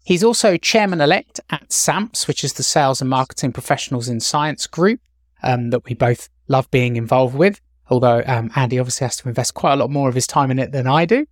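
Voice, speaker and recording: A man's voice: medium pitch, a little fast, dry recording, studio quality. A man hosting a podcast, introducing his guest in a friendly way with some fillers. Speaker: podcast host. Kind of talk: conversational interview.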